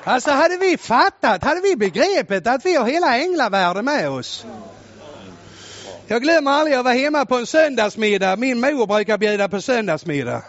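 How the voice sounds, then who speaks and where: A male preacher telling a story in a sermon, loud and exclamatory, swinging from shouting to hushed tones. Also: very high voice, very animated. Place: church. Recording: muffled lo-fi recording.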